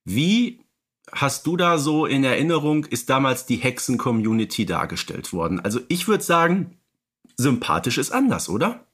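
A man of middle pitch co-hosts a casual fan podcast. He talks in a searching, hesitant way, often stopping to find a word or correct himself. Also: sing-song, normal speed, fairly bright tone. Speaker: podcast co-host.

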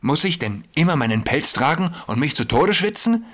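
A man voicing a sly wolf who pretends to be a female sheep, speaking in a sweet, falsely reassuring tone with a somewhat husky voice. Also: fairly high pitch, sing-song, normal speed, a bit bright, pitched above the performer's own voice. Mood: false sweetness.

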